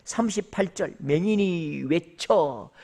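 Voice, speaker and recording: Pastor, male, very high-pitched, emphatic sermon delivery with dramatic swings. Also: lively intonation, slow, darkish tone. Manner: emphatic preaching, acts out voices and calls out scripture.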